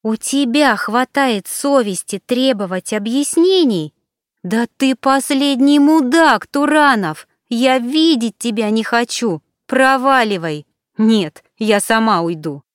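A woman reader voicing a furious, sharp-tongued young woman who shouts and hisses her accusations. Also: slow pace, no echo, studio quality. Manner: shouting, hissing, high-pitched outbursts.

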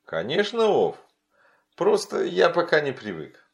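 A man's voice: fairly high pitch, huge pitch swings, measured pace, gravelly, pitched above the performer's own voice, exaggerated voice. A man voicing a young American man, polite and hesitant, speaking Russian with care as he learns it. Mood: polite, unsure.

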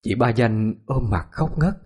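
A man narrating a ghost story in a measured, hushed way. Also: mid-range voice, lively intonation, slightly rough.

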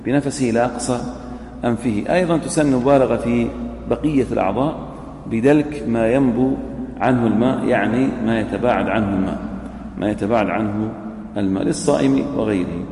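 A man's voice: mid-range voice, quick pace, warm tone, a little hiss or hum. A man teaching a jurisprudence class. He reads a line from the text, repeats it, then quizzes his students. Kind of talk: classroom lecture on a legal text. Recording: echoey hall recording with faint ambience.

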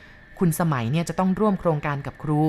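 ผู้หญิงเล่าเรื่องแล้วพากย์เป็นครูชายที่ติดการพนันหวย พูดจริงจังแบบกระซิบกระซาบวางแผน. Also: female voice, lowish voice, fairly quick, darkish tone, a little hiss or hum, natural voice. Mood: conspiratorial. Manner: eager, conspiratorial. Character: older male teacher hooked on lottery gambling.

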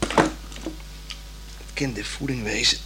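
A man's voice: mid-range voice, fairly even intonation, drawn-out words. Easygoing young repairman, noisy recording. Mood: absorbed, muttering. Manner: laconic, colloquial, placating, hesitant. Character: easygoing, unhurried working-class repairman, young, mildly put-upon. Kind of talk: Dutch radio play acting. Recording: noisy, clicking radio play recording.

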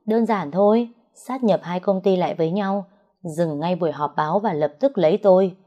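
A woman's voice: lowish voice, normal speed, highs cut off, close to an everyday voice. A woman voicing a scheming, jealous young woman who taunts and sneers. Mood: taunting.

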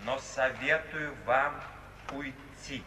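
An actor playing a flippant, charming young idler in a 1950s radio play, playfully mock-gallant and theatrical. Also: male voice, mid-range voice, fairly even intonation, slow, lightly acted. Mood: wry. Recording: echoey, distant old radio recording, hiss.

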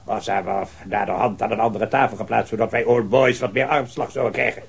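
An actor playing a jovial, talkative, hard-of-hearing old retired colonel who rambles heartily in a radio drama. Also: male voice, fairly low pitch, steady tone, fast, vocal fry, breathy edge, exaggerated voice. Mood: insistent, flustered. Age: older. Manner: rambling, hearty, with repeated affirmations and chuckles.

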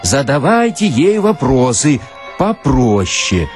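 A man's voice: mid-range voice, very animated, slow, a little mellow, faint music behind. A man voicing a young sideshow barker with showy, declamatory announcing, grandly polite and easily indignant, in a story reading.

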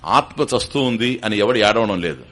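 A man's voice: on the low side, expressive, moderate pace, fairly bright tone. An older man giving a spiritual discourse, explaining step by step, often asking his listeners questions and slipping in English terms. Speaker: spiritual teacher. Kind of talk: Vedanta discourse to an audience.

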